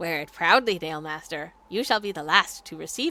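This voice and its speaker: Using a put-on character voice, a woman speaks fairly quickly at a fairly low pitch. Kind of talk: formal. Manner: pompous, ceremonial.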